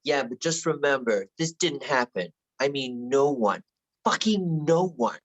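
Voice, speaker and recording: A man's voice: medium pitch, animated, a little slow, poor audio. Man playing a blunt, menacing teenage bully. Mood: sullen, threatening. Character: menacing, foul-mouthed teenage school bully boy. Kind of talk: virtual table read of a screenplay.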